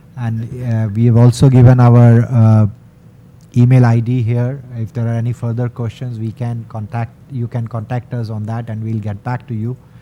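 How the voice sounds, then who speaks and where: This man talks in a monotone, flat intonation. His pitch sits at a medium level. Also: moderate pace. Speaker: company executive presenting to investors. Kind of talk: investor presentation Q&A. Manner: hesitant with many filler uhs.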